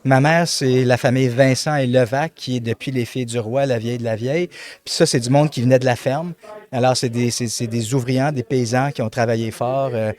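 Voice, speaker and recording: A middle-aged man from Montreal with a Québécois accent, telling his story as an interview guest, animated and full of fillers and repeated words. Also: mid-range voice, brisk. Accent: Québécois French. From Montreal, Quebec. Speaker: guest, company president.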